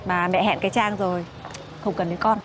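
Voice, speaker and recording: A woman's voice: fairly low pitch, steady tone, fairly quick, natural voice. An actress with a Northern Vietnamese accent playing an eager middle-aged mother in a TV drama. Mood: reassuring. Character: eager middle-aged mother nudging her grown son. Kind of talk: screen drama dialogue. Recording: clear ambient noise behind.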